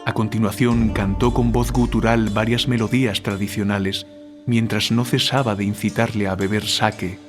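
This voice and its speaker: An actor playing a tormented, guilt-ridden writer in an audiobook horror drama, speaking in a grave, measured literary manner. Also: male voice, lowish voice, steady tone, close to an everyday voice. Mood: grave narrating. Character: tormented male writer confessing eerie nightmares, guilt-ridden, fearful. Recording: prominent music under the voice.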